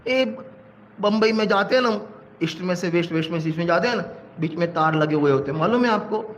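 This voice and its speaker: A man's voice: sits high, lively intonation, quick pace, a little hiss or hum. A man with a Gujarati accent giving a religious sermon as a pandit, exhorting his listeners, telling stories with everyday examples and asking them questions. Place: religious hall.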